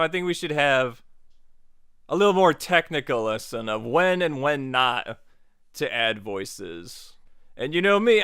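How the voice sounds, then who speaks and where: Clear-voiced man hosting a casual tutorial. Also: a little high, pushed and bright, no echo, clean studio sound. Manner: informal, jokey. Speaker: tutorial host. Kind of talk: casual scripted-style tutorial narration.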